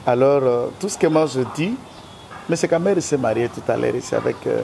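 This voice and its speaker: A man's voice: medium pitch, animated, fairly quick, creaky, dark tone, a little hiss or hum. A man with a Congolese French accent, a guest in a political interview, speaking in an emphatic, argumentative way.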